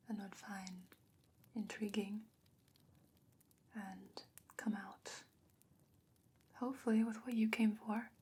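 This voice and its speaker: A woman as a breathy, whispering fantasy potion maker. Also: medium pitch, warm tone. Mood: wry, cautionary. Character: calm, knowing fantasy woman, secretive potion maker, wary. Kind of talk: soft-spoken ASMR fantasy roleplay.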